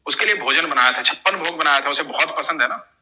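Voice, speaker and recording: A man's voice: fairly high pitch, fast talker, sharp tone, poor audio. A man voicing an angry old male devotee who complains in a raised, agitated voice. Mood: bitter.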